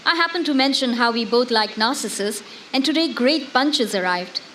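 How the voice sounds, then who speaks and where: Woman reading as a high-voiced, longing letter-writing wife. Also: expressive, normal speed, fairly bright tone. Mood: tender, wistful. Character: devoted, longing wife writing letters to her imprisoned husband. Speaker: dramatic reader. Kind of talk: dramatic reading of letters on stage. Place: outdoor garden festival stage. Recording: live outdoor festival, faint background noise.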